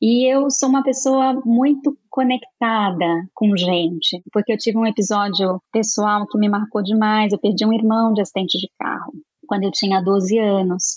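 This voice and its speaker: The voice is somewhat breathy, with ordinary pitch variation. It moves at a fairly slow pace with hardly any pauses. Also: woman, fairly high pitch for a woman. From Brazil, Minas Gerais (Triângulo Mineiro). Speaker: HR executive and mentor. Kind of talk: interview.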